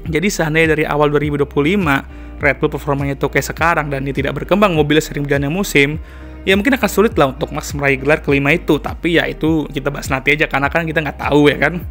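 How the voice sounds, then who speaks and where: Vlogger, male, slightly hoarse, quick and somewhat high, music bed underneath. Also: steady tone, a bit bright. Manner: chatty, slangy Jakarta-style casual talk. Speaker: F1 commentary YouTuber. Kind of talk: casual vlog commentary. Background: background music.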